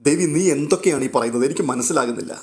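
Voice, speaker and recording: A man's voice: medium pitch, very fast, lightly acted. A man voicing a guilt-ridden young husband and elder brother, speaking with remorse. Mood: remorseful. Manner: pleading, remorseful.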